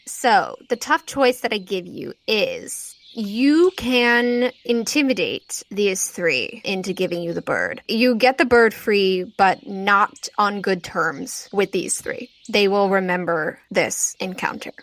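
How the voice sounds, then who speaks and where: A woman's voice: medium pitch, animated, takes it slowly, hardly any pauses, a bit bright. Casual woman narrating as game master.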